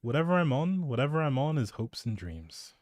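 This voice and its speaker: A man's voice: mid-range voice, sing-song, brisk, darkish tone, no room sound. A man chatting casually as a live streamer, rambling in a playful, self-deprecating way into a close microphone.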